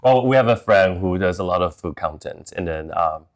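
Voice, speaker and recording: A man's voice: low voice, lively intonation, moderate pace. A man from Taiwan who moved to Chicago, talking candidly and conversationally as an interview guest.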